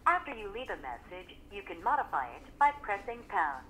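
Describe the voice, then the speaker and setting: A woman's voice: mid-range voice, very animated, brisk, a crowd in the background. A recorded woman's voice giving polite, scripted voicemail announcements, heard over a phone line. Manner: polite, scripted, evenly spoken. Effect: played over a phone line. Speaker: automated voicemail prompt. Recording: noisy phone-line call audio.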